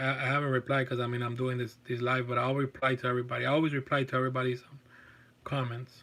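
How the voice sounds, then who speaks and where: A man with an American accent speaks at a medium pitch in a bright, sharp tone, his intonation monotone and flat, on a very clean recording with a silent background. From Los Angeles, US. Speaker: vlogger. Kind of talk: casual livestream chat. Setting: live stream.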